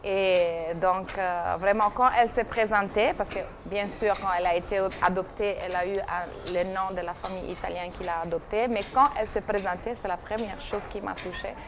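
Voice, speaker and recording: A woman presenting a TV talk show segment recounts someone's story in a medium-pitched voice with fairly even intonation, at normal speed with few pauses. She sounds hesitant, with many fillers and restarts, and the studio broadcast has faint noise.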